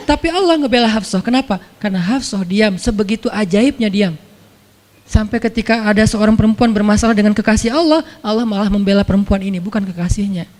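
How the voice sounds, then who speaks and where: Male preacher with a very high voice; lively, casual storytelling sermon, long hall reverb. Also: fast. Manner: animated, acts out quoted voices.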